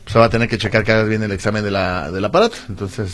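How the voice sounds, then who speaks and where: Playful Mexican radio co-host. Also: male voice, lowish voice, steady tone, racing, a bit bright. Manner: playful, teasing. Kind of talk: casual radio banter.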